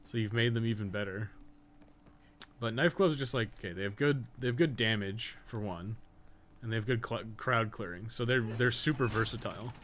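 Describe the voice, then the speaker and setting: Male game streamer, lowish voice, casual rambling commentary, slangy and profane, audible ambient noise behind. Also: moderate pace, a bit bright. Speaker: game livestreamer. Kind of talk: casual gameplay commentary, chatting while playing.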